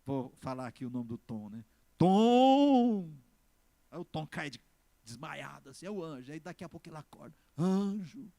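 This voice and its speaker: A man with a Brazilian Portuguese accent preaching a sermon as pastor. He is emphatic, swings between loud exclamations and slow, stressed words, and keeps calling on the congregation to answer. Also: medium pitch, creaky. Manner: asks the congregation for responses.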